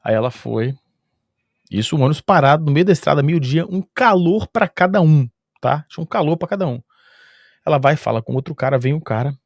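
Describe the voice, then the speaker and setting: A man with a Brazilian Portuguese accent, his voice sitting a little higher than most men's, tells a travel story in relaxed conversation. He is lively, chuckles often and fills gaps with sound-effect words. The recording is dry and close, with no room echo. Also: fairly quick. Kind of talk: casual spoken storytelling.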